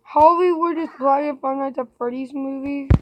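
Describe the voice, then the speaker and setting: A high, childlike voice giving casual reaction commentary on a video. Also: fairly even intonation, moderate pace, noisy background.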